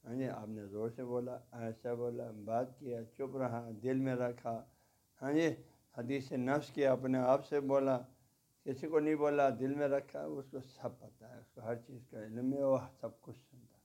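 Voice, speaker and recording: A religious teacher delivers a lecture on a devotional text, walking through word meanings step by step, repeating each gloss and frequently tacking on a short "haan ji." His voice is mid-range, steady, and mellow.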